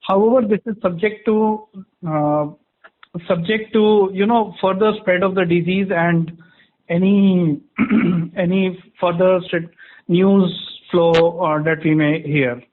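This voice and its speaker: A man with an Indian accent answering formally as a company executive on a conference call, in a measured, hesitant way. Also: high-pitched, fairly even intonation, narrow, tinny audio. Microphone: phone line. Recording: thin phone conference line.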